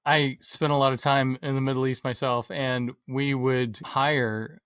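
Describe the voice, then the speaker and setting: A man's voice: medium pitch, flat delivery, measured pace, a bit bright, smooth, dry recording, studio quality. A middle-aged man hosting an interview podcast, asking questions and sharing his own stories. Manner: engaged, shares own anecdotes. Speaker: podcast host.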